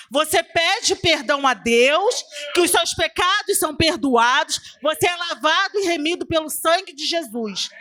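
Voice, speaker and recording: A woman preacher telling her own testimony in a high-pitched voice with a bright edge. Her storytelling is emotional and acts out the dialogue, and she breaks off to speak straight to the congregation. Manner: preachy asides to the audience. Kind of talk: testimonial sermon.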